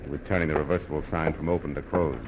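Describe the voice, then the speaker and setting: An actor playing a tough, wry private detective in a dry, clipped 1940s radio noir style. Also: male voice, a bass voice, steady tone, rapid-fire, noisy background. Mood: wry, narrating. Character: hard-boiled, wry male private detective narrating his case. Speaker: lead actor and narrator. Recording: old radio recording.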